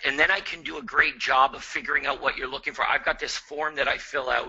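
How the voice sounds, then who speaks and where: A man puts on a shaky character voice. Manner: unsure, shaky, hesitant.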